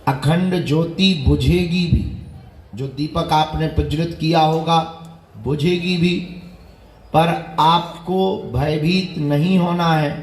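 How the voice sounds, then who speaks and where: A man's voice: a little high, reverberant. A man giving a devotional sermon, instructing listeners on mantra practice and posing a chain of rhetorical questions. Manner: slow, measured, repeating rhetorical questions. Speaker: spiritual teacher.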